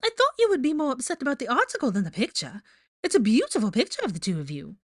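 Scheming lady gossip reporter , acted by a woman reader, high, sugary, falsely bright, dramatic storybook villainess. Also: big pitch swings, fairly quick. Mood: flippant, dismissive. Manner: affectedly sweet and theatrical. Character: vile gossip-journalist woman, falsely chipper, flippant, dramatic.

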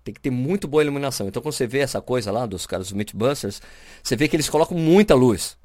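A man's voice: medium pitch, lively intonation, racing, darkish tone, no echo, studio quality. A man from Brazil co-hosting a podcast, chatting casually and explaining camera settings with lots of fillers and restarts. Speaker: podcast co-host. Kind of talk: casual chat.

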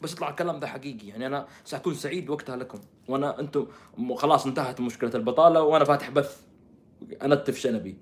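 A man giving sarcastic live-stream commentary, swinging from loud outbursts to soft mutters. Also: medium pitch, very fast. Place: living in Canada.

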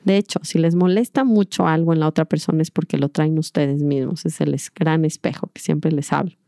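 A woman's voice: low voice, steady tone, a little fast, vocal fry, dark tone, dry recording, studio quality. A middle-aged woman gives a reflective, earnest talk to an audience about mindful parenting, acting out little dialogues as she goes.

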